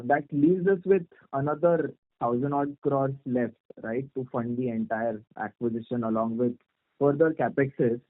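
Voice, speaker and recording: A man with an Indian accent asking formal questions as an analyst on an earnings call, polite, measured and wordy. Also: mid-range voice. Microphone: phone call. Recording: muffled narrow phone conference line.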